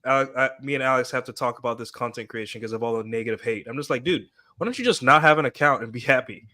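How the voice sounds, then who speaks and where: Male podcaster, bright forceful tone, argues his point in casual chat. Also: medium pitch, fast. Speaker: podcast co-host.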